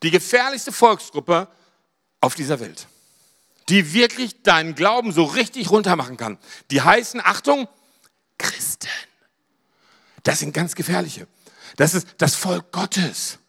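Male preacher, high bright voice, dramatic sermon delivery that swings between loud and hushed. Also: sing-song, a little slow, husky. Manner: dramatic, rising to near-shouts on emphasized phrases and dropping low for asides.

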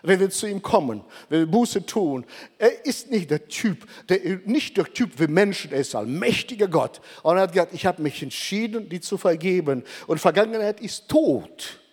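An older man preaching a sermon, emphatic and slowing down for dramatic pauses. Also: high voice, expressive, a little mellow, breathy edge, big-room sound.

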